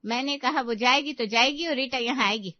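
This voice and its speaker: Woman doing a pushy mother-in-law, talks loud and high, muffled dry sound. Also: fairly quick, dry recording, natural voice. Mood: commanding. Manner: bossy, commanding. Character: stubborn middle-aged mother-in-law. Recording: dull dry studio audio.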